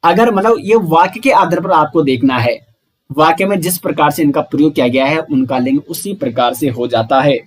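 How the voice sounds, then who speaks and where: A man's voice: on the high side, moderate pace. Man teaching Hindi grammar by quizzing himself. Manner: asks questions then answers them himself; addresses viewers as friends. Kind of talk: exam-prep grammar lesson.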